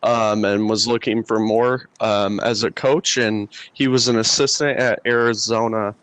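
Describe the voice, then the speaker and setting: A man's voice: lowish voice, steady tone, unhurried, fairly bright tone, clear, resonant tone, no echo. An American man in his twenties from the Midwest, chatting casually as a podcast guest. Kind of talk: casual chat. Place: basement.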